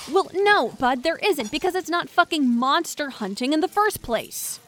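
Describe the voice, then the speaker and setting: A sarcastic young science woman, high voice, sweary and defensive, audio drama banter. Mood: exasperated ranting.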